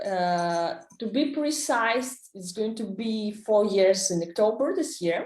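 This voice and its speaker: Speaking very slowly in a Russian accent, a woman uses a fairly high pitch and lively intonation. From Russia, Moscow. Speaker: real estate executive. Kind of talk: interview. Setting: live online session. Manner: halting, many fillers.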